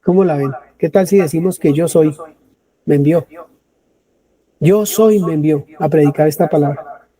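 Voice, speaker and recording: High, mellow-voiced male preacher. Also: normal speed, pauses often. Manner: asks the congregation rhetorical questions, then answers them. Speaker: preacher leading a Bible study. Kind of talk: sermon.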